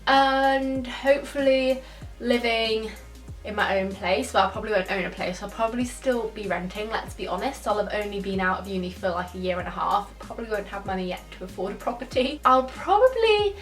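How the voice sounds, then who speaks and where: A woman's voice: medium pitch, lively intonation, brisk, recorded from a distance. Woman, 20, vlogger Q&A, chatty, echoey room, faint music underneath. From Spain. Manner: chatty, thinks aloud, laughs now and then. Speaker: YouTuber answering viewer questions. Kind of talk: casual Q&A chat.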